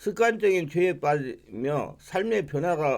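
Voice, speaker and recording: The man's fairly high pitch carries lively intonation on a very clean recording with a silent background. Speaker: pastor. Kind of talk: sermon. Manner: fast.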